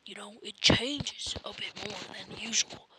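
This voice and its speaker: A woman's voice: mid-range voice, a little slow, pushed and bright, breathy edge, whispered. A woman casually reacting to short videos, muttering short asides.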